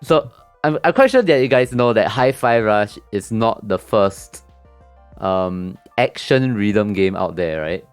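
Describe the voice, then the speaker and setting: A man's voice: lively intonation, measured pace, smooth, dry recording, faint music behind. A man hosting a casual games talk show, loose and chatty with many fillers and restarts. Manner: mocks angry gamers in a high put-on voice. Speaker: podcast host. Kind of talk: casual group chat about games.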